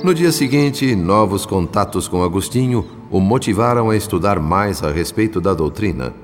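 An actor as a low, reverberant solemn spirit narrator. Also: male voice, animated, close to an everyday voice. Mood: grave, compassionate. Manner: solemn, literary, measured. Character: solemn male spirit narrator recounting events he witnessed. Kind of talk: dramatized scripted narration. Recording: long hall reverb, faint music behind.

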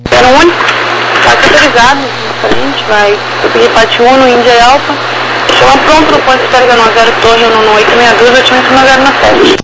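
Fast Brazilian woman controller over walkie-talkie radio. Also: fairly high pitch, fairly even intonation. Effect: over walkie-talkie style aviation radio. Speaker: air traffic controller. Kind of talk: radio instructions to pilots in aviation phraseology. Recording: loud hum and noise on radio link.

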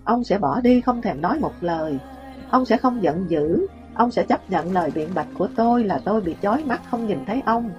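A woman calmly reading a first-person story aloud as an audiobook narrator. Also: mid-range voice, muffled recording.

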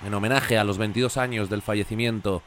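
A man's voice: fairly low pitch, steady tone, fast talker, fairly bright tone. A man hosting a radio show, announcing the station and introducing the guest. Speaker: radio host. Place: radio studio.

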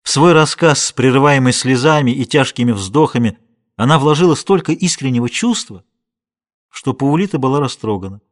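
A man narrating a novel aloud in a measured, expressive storytelling manner. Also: mid-range voice. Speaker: audiobook narrator.

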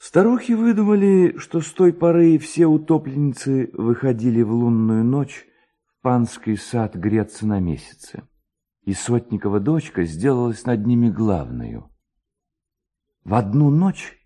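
A man's voice: mid-range voice, warm tone. A man voicing a young village lad telling eerie legends with dramatic, suspenseful tenderness in a literary audiobook.

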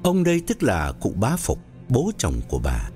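Expressive male storyteller. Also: lowish voice, normal speed, faint music behind. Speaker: narrator. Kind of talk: audio story narration.

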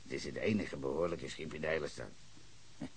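An actor playing a hostile, cursing bar owner in his fifties in a radio play, shouting and then muttering. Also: a bass voice, fairly quick, a little hiss or hum. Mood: grumbling. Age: 50s. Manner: cursing, ranting, swings between shouting and muttering. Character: foul-mouthed hostile older male bar owner, drunken ranter.

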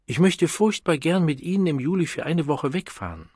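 A man with a husky voice reading an audiobook and voicing a popular, cheerful young woman in a brighter, eager tone. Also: mid-range voice, expressive, normal speed, no echo, studio quality, pitched above the performer's own voice. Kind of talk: audiobook character voice.

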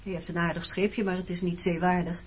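A woman's voice: on the low side, flat delivery, fairly quick. An actress playing a guarded, pointed woman in her early thirties in a Dutch radio play. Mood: matter-of-fact. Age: 30s. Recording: dull lo-fi radio recording, clear noise.

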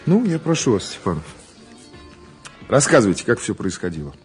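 An actor playing a patient, quietly authoritative criminal investigator who asks measured, informal questions in an audio drama. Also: male voice, on the low side, very animated, soft background music. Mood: firm, businesslike. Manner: measured questioning, informal, alternating soft and firm. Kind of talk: Russian audio drama acting. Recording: noticeable background noise.

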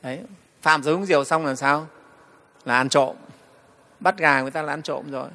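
A man, a Buddhist monk giving a storytelling dharma talk to the assembly, often pausing on "đấy". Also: a little high, vocal fry, bright, forceful tone, long reverb tail. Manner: storytelling, frequent "đấy" fillers, addresses the assembly.

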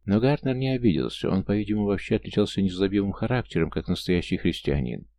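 A man reading a first-person audiobook in a calm, even storytelling manner, recorded close on a studio mic. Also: deep voice, fast talker, gravelly. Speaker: audiobook narrator.

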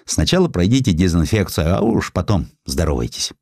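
A man voicing a brisk, teasing young nurse. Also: low-pitched, sing-song, darkish tone, no echo, studio quality, full character voice.

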